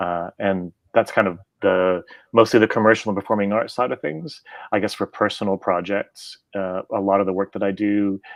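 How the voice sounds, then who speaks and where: A normal speaking voice with an American accent moves along at a moderate pace. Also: man. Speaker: photographer. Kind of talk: casual chat.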